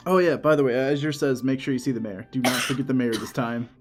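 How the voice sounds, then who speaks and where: A young man co-hosting a game playthrough, talking casually and haltingly, filling gaps with "like" and "um.". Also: medium pitch, fairly even intonation. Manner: halting, hedging, lots of "like" and "dude". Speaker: co-host. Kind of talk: casual gameplay chat. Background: faint game music.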